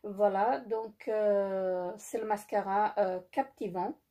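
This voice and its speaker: A woman's voice: mid-range voice, steady tone, slow pace, mellow. A woman vlogger presenting a makeup haul in a casual, hesitant way, full of fillers and repeated praise. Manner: hesitant, many fillers, repeats "très joli"; apologizes for her English. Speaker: beauty vlogger.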